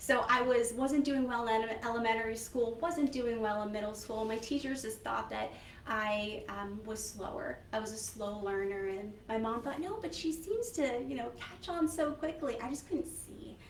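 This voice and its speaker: With an American accent, a woman speaks at a moderate pace and fairly high pitch with lively intonation and hardly any pauses, over noticeable background noise and audible room echo. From New Jersey. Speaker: speaker giving testimony. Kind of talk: testimony. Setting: women's meeting, livestreamed.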